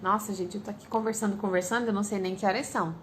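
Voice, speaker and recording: A woman's voice: medium pitch, steady tone, very fast, a little hiss or hum. A woman in her thirties with a Brazilian Portuguese accent, hosting a live Q&A and giving parenting advice directly to viewers. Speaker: parenting educator and live stream host. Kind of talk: live Q&A chat, answering viewer questions.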